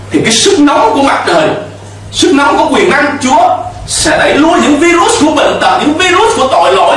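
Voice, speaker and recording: A man's voice: extremely high pitch, a bit bright, very echoey, recorded from a distance, a little hiss or hum, low-quality recording. A middle-aged man preaching a sermon from a church pulpit into a handheld mic, emphatic, with call-and-response to the congregation. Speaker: pastor. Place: church stage with pulpit and cross.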